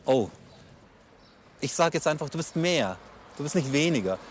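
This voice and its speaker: Relaxed middle-aged man telling his story. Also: fairly high pitch, moderate pace, a little hiss or hum. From Germany, Munich. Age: 40s. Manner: relaxed, reflective storytelling with fillers. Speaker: interview guest. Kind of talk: casual conversational interview. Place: outdoors in a city street.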